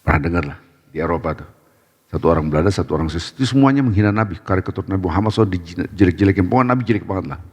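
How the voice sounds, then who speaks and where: A man giving a short mosque sermon, telling stories in a lively way, acting out the people in them, and sprinkling Arabic devotional phrases through his talk. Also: low voice, racing, slightly rough. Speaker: preacher. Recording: long reverb of a mosque hall.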